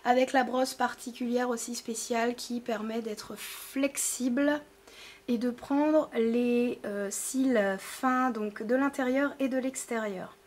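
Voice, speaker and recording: A woman's voice: on the high side, steady tone, slow. A woman chatting casually to camera about beauty products, hesitant and full of fillers. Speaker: beauty vlogger. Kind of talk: casual product haul talk.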